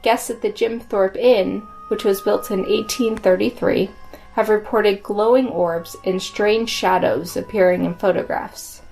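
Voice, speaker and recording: A woman's voice: mid-range voice, fairly even intonation, measured pace, vocal fry, darkish tone, low-quality recording. A woman co-hosting a podcast, reading scripted ghost stories with music behind her. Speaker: podcast co-host. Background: background music.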